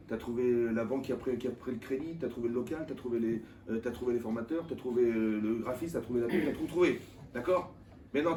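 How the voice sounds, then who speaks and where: Animated rabbi teaching in an echoey room. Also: male voice, mid-range voice. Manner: colloquial and animated, firing rhetorical questions at listeners. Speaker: rabbi teaching a Torah class. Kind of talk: informal Torah lesson to a live audience. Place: lecture room with live audience. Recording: echoey room, mic at a distance, faint background noise.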